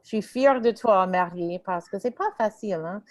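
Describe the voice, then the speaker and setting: A woman's voice: medium pitch, normal speed. A woman teaching an online French class over a video call, mixing French and English as she encourages her students.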